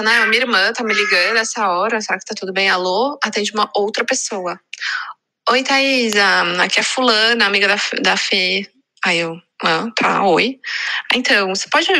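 A young woman telling a story in casual chat, acting out the voices of the people in it and dropping to a hush. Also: mid-range voice. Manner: acts out quoted voices, drops to hushed tones. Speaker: podcast co-host telling a story.

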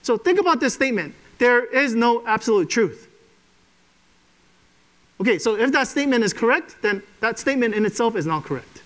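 A man's voice: very high-pitched, big pitch swings, normal speed, a bit bright, low-quality recording. A man preaching a sermon to a congregation in a conversational way, often checking in with "okay?". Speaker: pastor.

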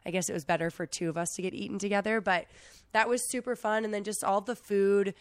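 A woman in her late twenties with a standard American accent chats casually as a podcast host. She is sick with her voice going, yet still sounds clear and mid-pitched. She spins stories in an animated, talky way, recorded very dry. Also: quick pace, dry recording. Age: late 20s. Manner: animated, chatty, peppers stories with "like" and acted-out quotes. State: sick, losing voice. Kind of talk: casual chat, telling travel stories.

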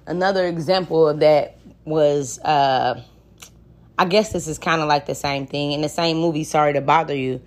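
A woman's voice: sits low, fairly even intonation, normal speed. A woman with an African American accent talking in a candid, casual podcast monologue, blunt and slangy with plenty of swearing. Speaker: podcast host.

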